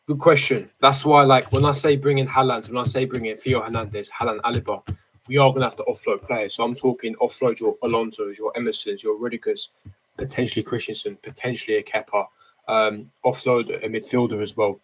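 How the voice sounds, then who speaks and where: Late-teen male, medium pitch, casual streamer chat, slangy, opinionated, repetitive emphasis, close desk mic. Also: steady tone, a little fast, a bit bright, breathy edge, rough recording. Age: 18, late teens. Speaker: football fan streamer. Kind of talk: casual livestream chat, reading and answering viewer comments. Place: small bedroom, indoors. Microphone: desk microphone close in front.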